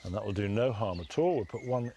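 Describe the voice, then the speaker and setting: Man, garden show presenter, outdoors in a garden, gentle, measured, lively intonation. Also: on the low side, a little hiss or hum. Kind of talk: relaxed instructional garden presenting.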